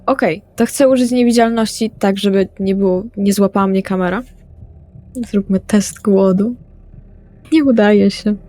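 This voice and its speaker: A woman plays in a tabletop roleplay session. She narrates her character's moves in a voice of middle pitch, as a player speaking to the game master. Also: a little slow, warm tone.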